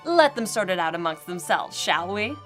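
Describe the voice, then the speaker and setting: A woman's voice: on the low side, very animated, moderate pace, fairly bright tone, faint music behind. A woman playing an imperious settlement leader in an audio drama, prim and condescending, politely threatening. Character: imperious, veiled-menacing female leader of a settlement. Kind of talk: comedic audio drama monologue.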